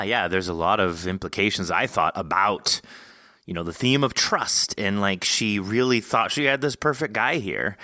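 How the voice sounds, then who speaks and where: Guy podcast host, lowish bright voice, rambles thru his questions, real casual, dry sound. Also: dry recording. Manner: wordy, rambling, thinking aloud. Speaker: podcast host interviewing an author. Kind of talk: casual interview chat.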